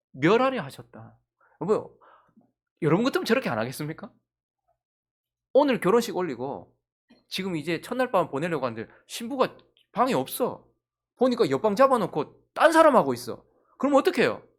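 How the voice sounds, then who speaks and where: A woman's voice: fairly low pitch, breathy edge. A woman pastor with a Gyeongsang accent preaching a sermon, asking the congregation one rhetorical question after another. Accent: Gyeongsang Korean.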